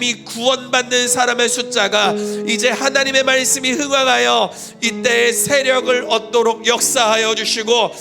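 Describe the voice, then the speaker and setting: A man leading fervent congregational prayer as pastor, praying aloud with passion and at times breaking into tongues. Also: very high voice. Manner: loud impassioned praying, speaking in tongues. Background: guitar music.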